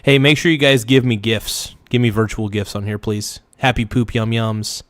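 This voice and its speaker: A man hosting a casual livestream reaction, his voice worn hoarse, rambling and loudly thanking donors. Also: fairly low pitch, fairly even intonation, moderate pace, no room sound. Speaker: livestream host.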